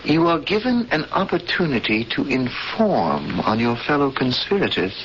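Bright-voiced, fatalistic rebel prisoner. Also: male voice, medium pitch, sing-song, normal speed. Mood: resigned, earnest. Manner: formal, solemn phrasing. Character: earnest, fatalistic male prisoner and would-be rebel. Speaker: actor playing a cellmate. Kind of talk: 1970s radio drama acting. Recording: dull, noisy vintage radio broadcast.

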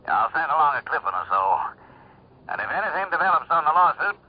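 Radio drama role: halting, polite phone caller, mid-range, very lively pitch, muffled sound. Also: male voice, husky. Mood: worried. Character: hesitant, worried male associate phoning with bad news. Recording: muffled, noisy old radio phone call.

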